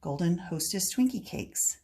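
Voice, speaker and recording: A woman's voice: on the low side, lively intonation, unhurried, gravelly, a little mellow. Older aunt witch, fussy, comic read-aloud by a woman. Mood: dry. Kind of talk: reading a comic book aloud.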